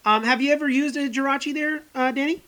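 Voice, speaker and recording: A woman's voice: high voice, fast, fairly bright tone. A woman co-hosting a casual podcast in a playful, upbeat way with plenty of fillers. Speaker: podcast co-host.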